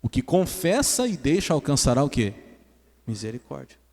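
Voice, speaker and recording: A man's voice: mid-range voice, sing-song, normal speed, darkish tone. A man with a Brazilian Portuguese accent preaching a sermon as pastor, asking the congregation questions and telling stories. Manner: preaching with call-and-response questions, then storytelling. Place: church hall. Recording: church hall with long reverb.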